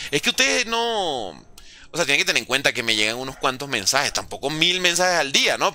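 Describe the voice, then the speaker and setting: Speaking from a room with a window at home, a man from Venezuela keeps up relaxed live-stream chatter while playing a game. He has a sharp, mid-range voice and jokes with viewers as he reads their chat aloud.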